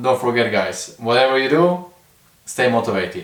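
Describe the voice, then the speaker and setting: Audible room echo around a male speaker, pitch varying in an ordinary way. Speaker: dirt bike builder, YouTuber. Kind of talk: workshop tutorial vlog.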